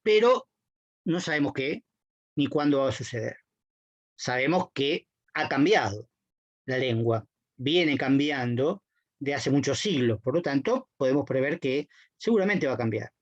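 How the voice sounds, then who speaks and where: A man's voice: medium pitch, expressive, measured pace, no echo. A man giving a university semiotics lecture, explaining patiently and often checking in with his students. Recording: dull dry lo-fi recording.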